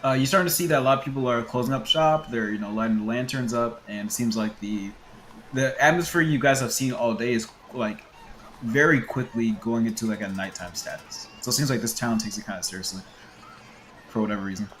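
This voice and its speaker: A man's voice: medium pitch, brisk, a bit bright, roomy sound, a little hiss or hum. A young man narrating as game master, casual and given to laughs, ums and restarts.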